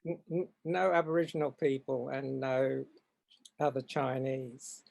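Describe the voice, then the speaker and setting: A man in his seventies from Far North Queensland with an Australian accent, telling stories from his life in a hesitant, halting way over a video call from home. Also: mid-range voice, flat delivery, gravelly, a little mellow. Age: 70s. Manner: hesitant, halting, with frequent ums and restarts. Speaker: guest artist. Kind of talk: reflective storytelling in an interview.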